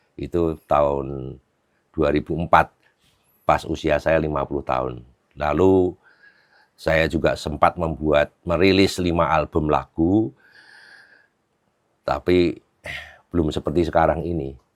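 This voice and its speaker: On a very clean recording with a silent background and a dry, close sound with no echo, a man with a very deep, low pitch speaks at a fairly slow pace with fairly even intonation and long, frequent pauses. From Central Java, Indonesia (Klaten). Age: 70s. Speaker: businessman and religious music composer. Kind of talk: interview.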